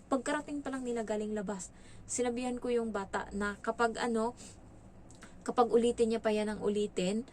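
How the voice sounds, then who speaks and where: A Filipina domestic helper tells her story casually and with energy, acting out quoted dialogue and mixing in English words. Her voice is fairly high and fairly quick, with a little hiss or hum behind it.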